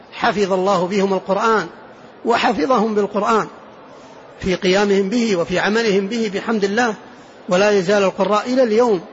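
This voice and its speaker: A man teaching as a sheikh, explaining a classical creed text in a religious lecture, speaking deliberately and repeating key phrases for emphasis. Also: high-pitched, a little hiss or hum. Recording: muffled lo-fi lecture recording.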